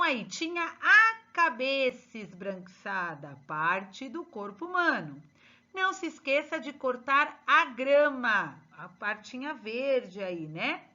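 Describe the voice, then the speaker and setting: Slow, lively woman teacher. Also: high-pitched. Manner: slow, emphatic, spelling out answers to pupils. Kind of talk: exercise correction lesson. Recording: dull lo-fi recording.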